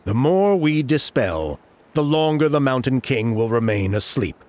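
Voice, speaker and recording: An actor playing a genial, persuasive older tribal elder in a video game, husky and formally spoken. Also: male voice, mid-range voice, very animated, measured pace, a little mellow. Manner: formal, smooth-talking, expansive. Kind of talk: video game character acting.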